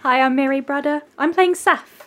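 Woman, actor, giggly, high voice. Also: normal speed, a bit bright. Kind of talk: casual chat.

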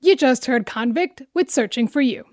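A woman hosting a music radio show, introducing tracks and guests with clear, enthusiastic presenting. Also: high-pitched, animated, normal speed, darkish tone, a little hiss or hum.

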